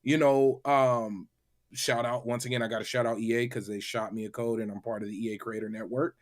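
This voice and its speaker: Guy on a gaming podcast givin his take, normal pitched voice, casual talk. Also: level tone, fairly quick.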